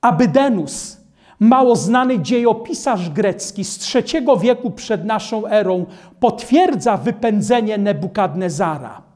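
A man in his sixties giving a Bible study lecture as a preacher, explaining in a measured way in a studio. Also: sits high, expressive, a little mellow. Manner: slow, measured, explanatory delivery. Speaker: Adventist preacher. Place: studio in front of a painted backdrop.

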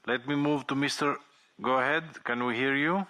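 A man chairing a formal meeting from a conference chamber, giving brisk, short procedural instructions. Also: mid-range voice, fairly even intonation, pushed and bright. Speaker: president chairing the session.

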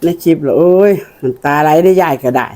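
Older female mukbang eating host, Isan Thai accent, relaxed dark timbre, folksy and conversational. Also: low voice, quick pace. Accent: Isan, northeastern Thai. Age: older, a grandmother. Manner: folksy, repeatedly addressing viewers as kin. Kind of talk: mukbang eating, casual chat to viewers while eating.

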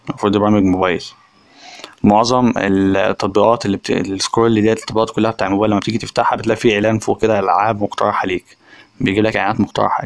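A man with an Egyptian accent giving a casual, chatty phone review voice-over, speaking directly to viewers. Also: fairly low pitch. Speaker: tech reviewer.

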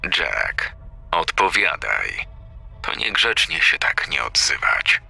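A man voicing a sinister caller who speaks in a hushed, menacing whisper with a gravelly edge. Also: very deep voice, big pitch swings, slow pace, full character voice. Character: sinister calm older man whispering on the phone.

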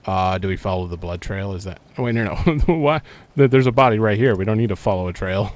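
A man's voice: fairly low pitch, fast talker. A young man casually commenting as he plays a horror game, rambling and thinking aloud. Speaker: gaming channel host. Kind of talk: casual let's-play commentary.

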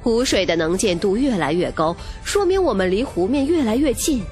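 A woman's voice: mid-range voice, big pitch swings, moderate pace, darkish tone. A woman reading a romance novel as dramatic, scripted first-person narration. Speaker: audiobook narrator. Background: music.

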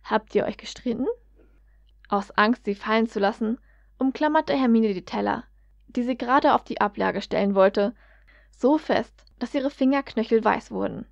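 A woman reading a fan fiction story aloud in a steady, even narrating manner. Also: fairly high pitch, normal speed, creaky, no echo. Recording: dull, dry lo-fi recording.

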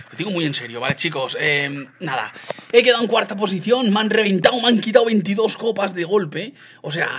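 A young man from Spain with a Spanish accent, giving casual gameplay commentary, swinging between loud outbursts and low muttering. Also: very noisy. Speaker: gaming youtuber.

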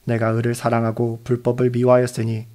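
Man reading scripture in a flat, even tone. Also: mid-range voice, fairly quick. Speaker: Bible reader.

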